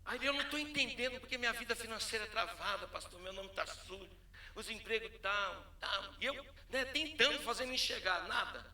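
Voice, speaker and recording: Animated preaching Brazilian man, echoey church. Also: high voice, a little fast. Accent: Brazilian Portuguese. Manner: storytelling, animated, acts out dialogue. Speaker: pastor. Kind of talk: sermon.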